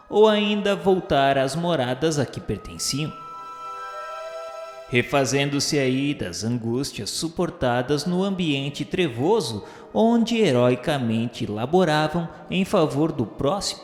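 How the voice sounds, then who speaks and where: A man narrating a radio drama in a formal, literary storytelling manner. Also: medium pitch. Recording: echoey hall with background music.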